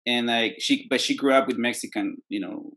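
Man, casual talk, hesitant, lots of fillers, reflective, medium pitch. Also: fairly quick, fairly bright tone. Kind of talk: casual conversation.

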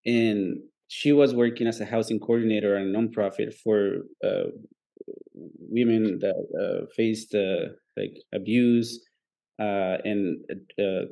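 A man's voice: fairly low pitch, steady tone, mellow. A man co-hosting a podcast who talks in a casual, rambling way and halts often on fillers. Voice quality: gravelly. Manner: rambling, halting with many fillers. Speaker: co-host.

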